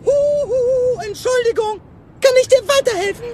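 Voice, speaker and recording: A man's voice: very high voice, normal speed, crowd noise. A man voicing a small, gleeful, mocking robot gatekeeper in a children's audio play, giggly and taunting. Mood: cheery. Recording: music behind the voice.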